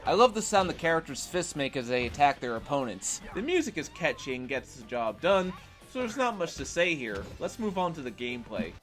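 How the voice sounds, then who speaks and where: A man's voice: on the high side, big pitch swings, fairly quick, a bit bright, soft background music. A man reading a scripted video game review, opinionated, with wry sarcastic asides.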